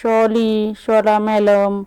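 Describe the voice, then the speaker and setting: A woman's voice: mid-range voice, steady tone, takes it slowly, dark tone, clean tone, no room sound, natural voice. A woman voicing a tipsy, childish young woman who slurs and lisps like a small child. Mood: babyish. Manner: slurred, babyish lisping speech.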